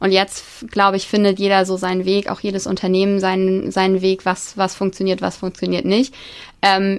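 A woman speaks at a moderate pace at medium pitch. The recording is very clean, with a silent background. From Germany, Kassel (northern Hesse). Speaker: hotel managing director. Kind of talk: interview. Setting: radio studio.

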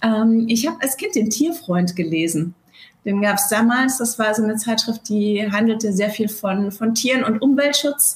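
Ordinary pitch variation marks this somewhat breathy voice. The pace is moderate. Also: woman, fairly high pitch for a woman. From Bavaria, Germany. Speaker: children's magazine editor-in-chief. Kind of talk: interview.

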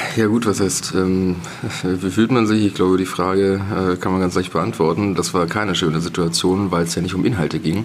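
Noticeable background noise sits behind a man's very deep, low voice. He moves at a moderate pace with ordinary pitch variation. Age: 30s. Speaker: conservative party politician. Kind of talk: interview conversation.

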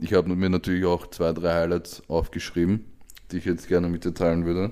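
The recording is very clean with a silent background. A man speaks in a very deep, low pitch with a dark, mellow tone and monotone, flat intonation. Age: 20s. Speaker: podcast co-host. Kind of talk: casual chat.

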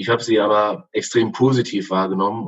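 He is a man with a fairly low pitch. His pace is moderate. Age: 30s. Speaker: retail executive. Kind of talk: interview. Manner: hesitant with frequent fillers.

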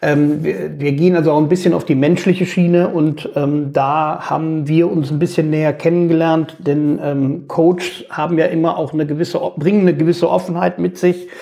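A man with a fairly high pitch and fairly even intonation speaks at a moderate pace amid noticeable background noise. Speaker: podcast host and real estate training provider. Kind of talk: casual interview. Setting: video call. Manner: hesitant, many filler sounds. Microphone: Teams call audio quality sometimes poor.

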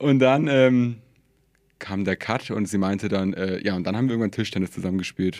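At a fairly quick pace, a man uses an ordinary speaking voice, fairly low in pitch, with ordinary pitch variation. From Germany, Nuremberg. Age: 20s. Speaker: interview guest. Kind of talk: casual interview. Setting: radio studio.

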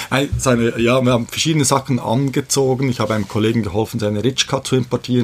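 A man races along very fast at a medium pitch, with ordinary pitch variation. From Switzerland, Bern. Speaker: app product owner. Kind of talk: interview. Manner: hesitant, many fillers.

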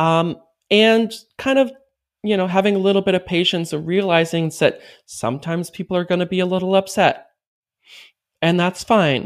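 Moderate pace, ordinary pitch variation and long, frequent pauses in a very clean recording with a silent background. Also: woman, medium pitch for a woman. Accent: New England. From Massachusetts, US. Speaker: DEI expert. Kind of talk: interview.

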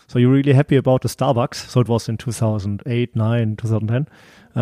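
Recorded very cleanly against a silent background, a man speaks with a Swabian accent in a dry, close sound with no echo. His tone is dark and mellow, his intonation fairly even. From Stuttgart, Swabia, Germany. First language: German. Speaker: podcast host. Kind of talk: interview. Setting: office.

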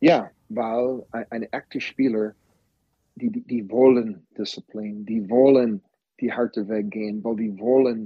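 A man's medium-pitched voice with an English accent and fairly even intonation. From US, Wisconsin (Green Bay). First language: English (speaking German). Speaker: ice hockey head coach. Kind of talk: interview. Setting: phone call. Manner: halting, many fillers.

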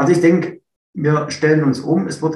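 There is audible room echo around this man's fairly high voice. He sounds somewhat breathy and keeps a moderate pace. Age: 50s. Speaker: biologist and head of a green-building trade association. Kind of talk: expert interview. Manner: hesitant, frequent filler sounds.

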